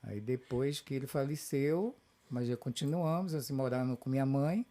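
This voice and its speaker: A man from Pernambuco speaking calmly as a guest in a relaxed interview. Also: mid-range voice, normal speed. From Petrolina, Pernambuco, Brazil. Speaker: guest, theater artist. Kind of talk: casual interview.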